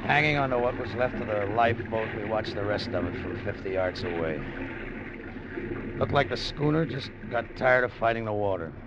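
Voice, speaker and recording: An actor playing a desperate treasure-hunting sailor in a 1940s radio drama, narrating in a hard-boiled first-person voice. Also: male voice, fairly low pitch, animated, normal speed, noisy background, lightly acted. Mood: bleak. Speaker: narrator and lead character. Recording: dull old radio broadcast with music.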